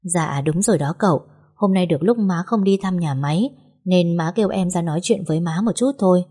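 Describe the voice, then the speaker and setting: A woman voicing a gentle young wife, speaking softly and politely. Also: lowish voice, brisk, husky. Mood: tender. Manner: soft, polite, pleading.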